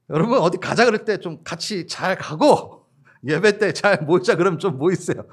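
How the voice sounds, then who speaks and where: A man preaching a church sermon as pastor, lively and laughing along with the congregation while acting out voices. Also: high-pitched, takes it slowly, slightly rough.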